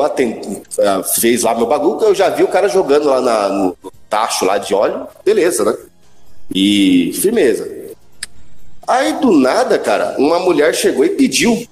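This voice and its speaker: A man's voice: on the high side, roomy sound. A man with a Brazilian accent hosting a podcast, telling stories in casual chat full of slang and swearing. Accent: Brazilian Portuguese. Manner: animated slangy storyteller, swears often. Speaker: podcast host.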